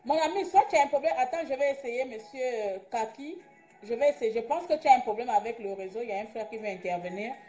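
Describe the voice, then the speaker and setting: A woman's voice: a little high, expressive, fast, warm tone, echoey room, soft background music. Agitated woman on a livestream. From Gabon. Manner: agitated, admits she is angry and impulsive. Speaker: livestream host. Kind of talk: casual live-stream talk.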